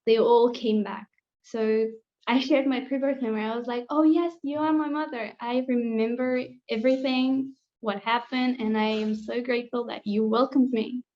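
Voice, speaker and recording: A woman from Kazakhstan speaks in a fairly high voice with very little melody. She tells her own story earnestly and haltingly as a guest, and the recording sounds a little muffled and lo-fi. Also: a little mellow. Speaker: podcast guest. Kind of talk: personal storytelling in an interview. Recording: slightly dull, lo-fi sound.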